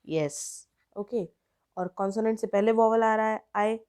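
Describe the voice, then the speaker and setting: A woman with an Indian accent and a fairly high, clean, darkish voice gives an online grammar lesson. She explains slowly, word by word, alternating between English and Hindi.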